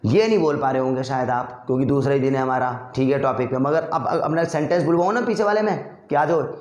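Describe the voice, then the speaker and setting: A man's voice: mid-range voice, brisk, a little mellow. A man teaching spoken English in casual Hindi, repeating drill phrases again and again and calling his viewers brother. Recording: echoey room.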